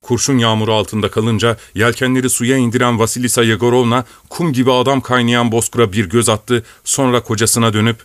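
A man reading a classic novel aloud as an audiobook narrator in a measured, even storytelling manner. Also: mid-range voice, no echo, clean studio sound. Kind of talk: scripted narration.

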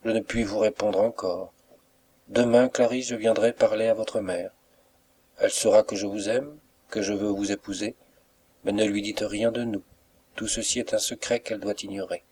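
A man reading an audiobook, voicing a mysterious young suitor who speaks gently and respectfully, with soft reproach. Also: lowish voice, steady tone, moderate pace, husky. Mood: tender.

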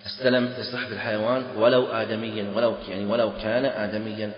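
A man's voice: on the low side, flat delivery, quick pace. A man teaching a lesson on a legal text, explaining by repeating key phrases and checking whether the students understand. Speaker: sheikh teaching fiqh. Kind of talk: classroom lecture on a legal text. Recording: echoey lecture hall, dull lo-fi sound.

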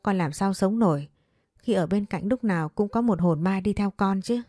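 A woman's voice: medium pitch, moderate pace, warm tone, no echo, close to an everyday voice. A woman voicing an earnest young man of twenty-seven who is haunted by a ghost, in a spoken ghost story.

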